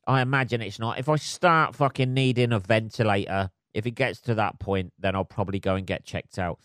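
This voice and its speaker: A man's voice: lowish voice, a bit bright, dry recording, clean studio sound. A man in his forties hosting a casual solo podcast, nasal and stuffed up from a cold, rambling and swearing as he mocks himself. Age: 40s. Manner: sweary, rambling, self-mocking. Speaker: podcast host. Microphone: phone camera.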